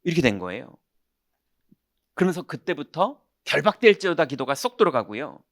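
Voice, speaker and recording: Lively Korean pastor telling a story. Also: male voice, fairly high pitch, a little fast, dry recording, clean studio sound. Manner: animated, acts out quoted voices, shouts punchlines. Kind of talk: sermon with storytelling. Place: church sanctuary.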